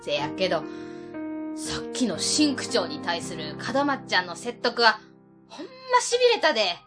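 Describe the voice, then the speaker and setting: An actress playing a chatty, teasing middle-aged aunt with a Kansai accent in an amateur web radio drama. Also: female voice, medium pitch, sing-song, a little slow, music in the background. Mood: admiring. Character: lively middle-aged prankster aunt, warm-hearted.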